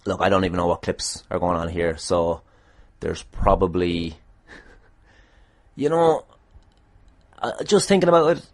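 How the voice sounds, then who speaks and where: A man's voice: low voice, a little slow, long pauses. An Irish man hosting a casual solo podcast, self-deprecating, irreverent and a little sweary. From Ireland. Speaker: podcast host and wrestler.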